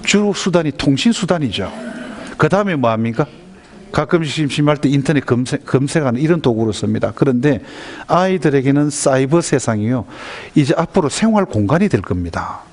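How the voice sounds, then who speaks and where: A man's voice: mid-range voice, fairly quick. A man giving a lecture to parents, often asking the audience questions. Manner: lively, asks the audience questions. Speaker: lecturer on school violence prevention.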